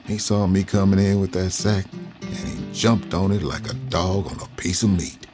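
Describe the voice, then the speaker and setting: Man playing a deep-voiced old freed man. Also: steady tone, over music, natural voice. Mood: reminiscing. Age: older. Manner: slow reflective storytelling. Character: old freed man recounting his life. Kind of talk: audio drama narration.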